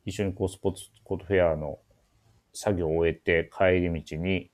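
A man's voice: low-pitched, fairly even intonation, normal speed, background noise. A man hosting a casual radio show, speaking politely with a teasing touch over a remote connection.

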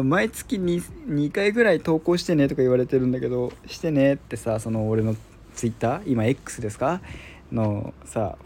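A man chats alone on his show in a mellow, warm tone, rambling and poking fun at himself with plenty of fillers. His pitch swings up and down lively as he goes. A faint hiss sits under the home recording. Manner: rambling, self-deprecating, many fillers. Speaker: podcast host. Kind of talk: casual solo chat.

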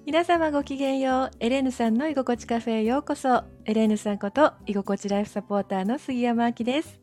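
A woman's voice: fairly high pitch, fast, a little mellow, soft background music. A woman speaking as an interview guest in a genteel, modest and very polite conversational way. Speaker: interview guest, online show host.

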